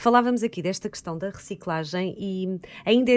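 A woman speaks with ordinary pitch variation. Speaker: radio host. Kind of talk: radio interview. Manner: halting.

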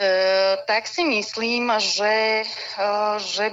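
A woman is speaking. Her pitch sits fairly high. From western Slovakia, Myjava region. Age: 30s. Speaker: radio caller. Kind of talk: call-in advice conversation. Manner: halting.

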